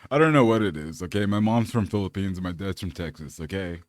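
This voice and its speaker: Laid-back male fitness vlogger from California, low voice, dry close recording, rambles casually. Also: quick pace, no room sound. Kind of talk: casual chat to camera.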